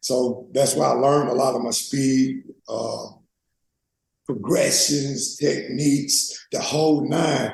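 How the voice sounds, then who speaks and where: A man with a Southern US accent at a very slow pace, amid audible room echo. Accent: Southern country. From Mississippi. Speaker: college speed coach. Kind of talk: podcast interview.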